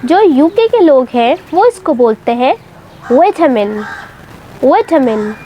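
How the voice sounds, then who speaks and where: High-voiced woman patiently teaching pronunciation. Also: very animated, dark tone, a little hiss or hum. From Pakistan. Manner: patient, repeats each word slowly to demonstrate it. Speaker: English teacher and channel host. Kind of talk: explanatory lesson to students.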